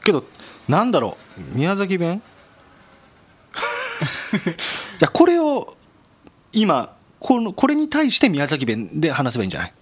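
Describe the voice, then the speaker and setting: A man's voice: on the high side, huge pitch swings, moderate pace, long pauses, breathy edge. A man hosting a podcast in casual chat, joking and mocking himself. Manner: joking, self-mocking, laughs often. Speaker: podcast host.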